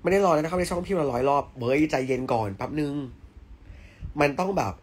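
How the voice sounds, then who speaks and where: A man's voice: a little high, fast, husky. A young man hosting a casual live stream from home, chatting and answering viewer comments in a playful, teasing way.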